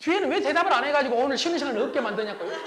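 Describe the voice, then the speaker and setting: A man speaks at a very fast pace in a raised, projected voice with lively intonation. Audible room echo surrounds him. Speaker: lecturer. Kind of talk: lecture. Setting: stage with audience. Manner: animated.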